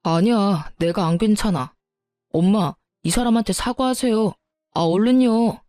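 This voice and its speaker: An agitated young husband, as a woman puts him on, protesting hotly on his wife's behalf. The tone is dark and mellow, close and dry, with faint music under it. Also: medium pitch, a little slow, dry recording, close to an everyday voice. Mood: heated. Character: heated young husband defending his wife.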